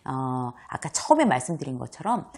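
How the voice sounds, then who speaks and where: A woman hosting her own lesson on speaking well, talking straight to viewers in a lively way and acting out examples with frequent laughs. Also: rumbling low, a little fast. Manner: animated, acts out examples, laughs often. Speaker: host and workplace communication coach. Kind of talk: talking-head lecture.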